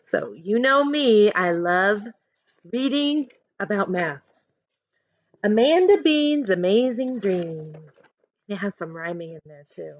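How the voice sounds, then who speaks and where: A woman teacher reading a picture book aloud to children, expressive and instructive, breaking off to speak directly to her young listeners. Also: medium pitch, slow pace, lo-fi sound.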